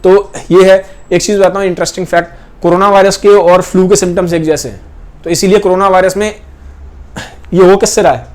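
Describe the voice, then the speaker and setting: A man's voice: high-pitched, steady tone, fairly quick, darkish tone. A young man teaching a biology class, repeating key points and often checking in with his students. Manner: points at pictures while explaining. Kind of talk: explaining a class lesson.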